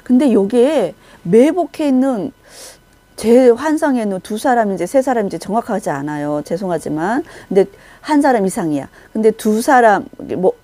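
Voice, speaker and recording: A woman's voice: medium pitch, dry recording. A middle-aged woman giving a Christian testimony, vividly recounting a vision and acting out the people in it. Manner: vivid storytelling, acting out shouted quotes. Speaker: testimony speaker.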